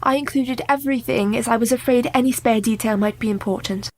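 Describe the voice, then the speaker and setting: A woman's voice: fairly high pitch, a little fast, darkish tone. A woman playing an earnest, capable young wife. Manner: polite, earnest, formal speech. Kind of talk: radio play acting.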